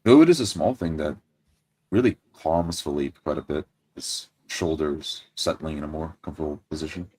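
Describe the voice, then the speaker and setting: A man's voice: rumbling low, moderate pace, darkish tone, husky. A man playing a tabletop roleplaying game, narrating his character's actions as he improvises.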